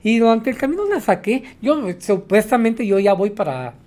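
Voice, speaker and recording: A man's voice: high voice, lively intonation, normal speed, darkish tone. A man, a taxi driver, telling his stories in a rambling way, tagging his sentences with "¿no?". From Mexico. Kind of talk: storytelling interview.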